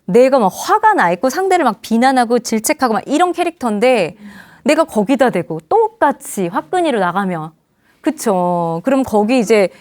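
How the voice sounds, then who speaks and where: Woman coach, lecture, acts out dialogue, fairly high voice, dry sound. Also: no room sound. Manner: lively, acts out quoted dialogue in many voices. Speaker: communication coach and author. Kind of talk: lecture with acted examples.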